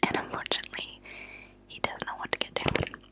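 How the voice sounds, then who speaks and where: A woman hosting ASMR, speaking in a soft, breathy, unvoiced whisper with a hushed, deliberate delivery and pauses. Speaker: ASMR channel host. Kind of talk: whispered ASMR true-crime reading. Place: at a desk indoors.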